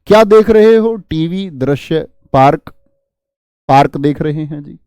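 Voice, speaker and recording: A man's voice: on the high side, expressive, unhurried, dark tone, clear, resonant tone, dry recording. A man teaching a grammar lesson, asking his students questions and answering them himself. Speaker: Hindi teacher.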